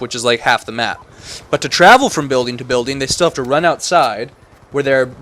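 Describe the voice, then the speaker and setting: A man's voice: mid-range voice, fairly bright tone. A man giving casual, sweary gameplay commentary in a blunt, aggrieved ranting manner. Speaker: gaming commentator. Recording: voice-over with music behind.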